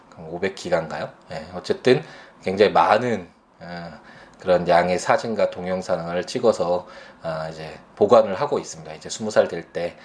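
A man with a very deep voice talks about raising his son. He speaks slowly and hesitantly, filling pauses with soft sounds as he gathers his thoughts. His tone is reflective and personal. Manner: slow, hesitant, many fillers. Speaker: father.

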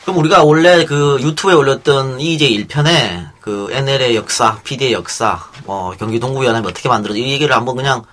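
Husky-voiced, blunt male talk host. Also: mid-range voice, brisk, hardly any pauses, fairly bright tone. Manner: loose, blunt, colloquial. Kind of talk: casual chat.

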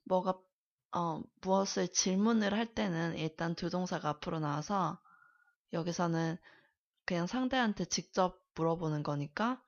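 A woman thinking aloud slowly while she practices simple English questions in a casual lesson chat. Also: on the low side, highs cut off. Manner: slow, thinking aloud, laughs often.

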